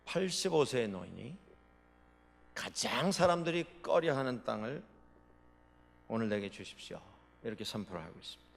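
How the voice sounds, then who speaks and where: A male pastor preaching a sermon, with dramatic swings between loud proclamations and quiet asides. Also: medium pitch, sing-song, normal speed, creaky, long pauses. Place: church sanctuary. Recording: long reverb of a large hall.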